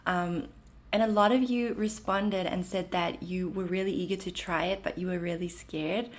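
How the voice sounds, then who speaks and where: A woman in her thirties talks with a South African lilt softened by Canadian vowels. Her voice sits a little low for a woman. She chats gently and reassuringly on her own podcast, with plenty of casual fillers. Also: fairly even intonation, moderate pace. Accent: South African mixed with Canadian. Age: 30s. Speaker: podcast host. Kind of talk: casual solo podcast talk.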